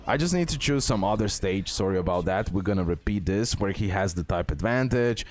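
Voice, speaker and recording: A man's voice: low voice, expressive, fairly quick. A man giving casual, emphatic game guide commentary, often repeating himself as he addresses his viewers. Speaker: gaming content creator, host.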